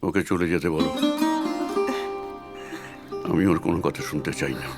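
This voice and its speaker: A man's voice: extremely low pitch, unhurried. An actor playing a stern, wounded father and music teacher who refuses to forgive his daughter. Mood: bitter. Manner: bitter, unbending. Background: loud film score music.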